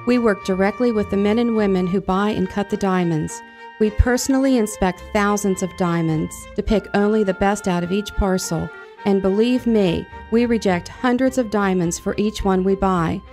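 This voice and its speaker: A woman who runs a jewelry store, reading a scripted advertisement in a smooth, persuasive way. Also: mid-range voice, normal speed. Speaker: jewelry store owner in a radio-style ad. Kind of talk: scripted ad read. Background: soft music.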